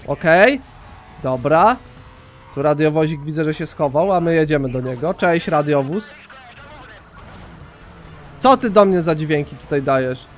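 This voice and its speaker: A man from Poland hosting a let's play, rambling excitably and swearing casually as he plays. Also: a little high, moderate pace, faint music behind.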